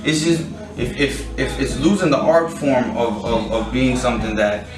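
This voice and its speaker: A man's voice: mid-range voice, steady tone, moderate pace. A man in his late thirties, born in Pakistan and raised in California, talking casually as a rapper being interviewed, often repeating and restarting his words. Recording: roomy sound from a distant mic.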